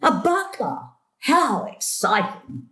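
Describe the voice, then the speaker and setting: A woman's voice: a little high, huge pitch swings, slow, pushed and bright, echoey room, full character voice. An actress playing an elderly, demanding grandmother in an audio drama, with an imperious, querulous, theatrical manner. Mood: excited, dreamy. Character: elderly, spoilt, demanding grandmother with fanciful spending sprees. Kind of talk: stage-style audio drama acting.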